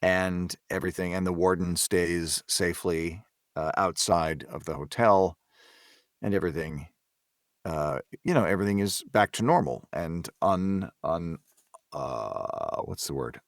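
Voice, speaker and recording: A man chatting casually as a voice actor guest on a podcast, thinking aloud with halting, repeated phrases. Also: deep voice, no echo, clean studio sound. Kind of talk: casual group discussion.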